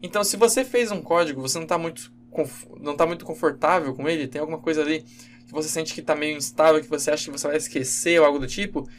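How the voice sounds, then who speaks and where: A man giving a casual, halting screen-recorded programming lesson, with many fillers and self-corrections. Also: on the high side, slight background noise. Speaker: game development instructor.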